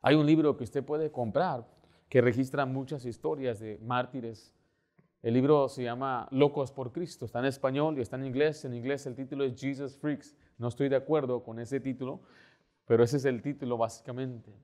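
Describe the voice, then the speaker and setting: A middle-aged man preaching a sermon as pastor, animated, acting out little scenes as he talks. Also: medium pitch, moderate pace. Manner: animated, acts out door-knocking scenes.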